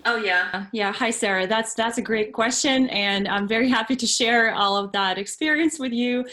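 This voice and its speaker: A woman from Ukraine with a Ukrainian accent, an English teacher giving earnest, deliberate answers in an interview. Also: a little high, sharp tone.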